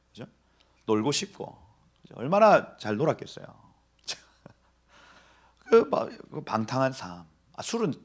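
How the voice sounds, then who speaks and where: A middle-aged male pastor preaches with a widely swinging, expressive pitch. He slips between chuckles, hushed asides and quick acted-out lines as he teaches. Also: breathy edge. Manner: animated, acts out voices with bursts of laughter and whispers. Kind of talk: expository sermon.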